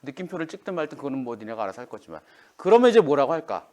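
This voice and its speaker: A man's voice: mid-range voice, very fast, slight background noise. A man teaching a classroom lesson, speaking informally to students and acting out quoted lines. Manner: lively, acts out quoted lines. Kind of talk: classroom lecture.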